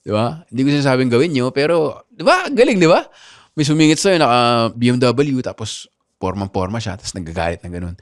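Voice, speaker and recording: A man hosting a podcast, telling stories in animated casual chat with constant tag questions. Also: mid-range voice, a little fast, no room sound, clean studio sound. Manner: animated storytelling with frequent "di ba" asides. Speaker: podcast host.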